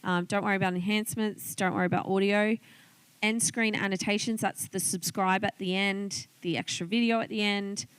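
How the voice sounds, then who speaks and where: A woman's voice: medium pitch, fairly even intonation, fairly quick, smooth, no room sound. A woman with an Australian accent gives an informal tutorial, chatting and thinking aloud as she explains things step by step. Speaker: online business coach teaching video tips. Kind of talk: informal tutorial, talking through a screen demonstration.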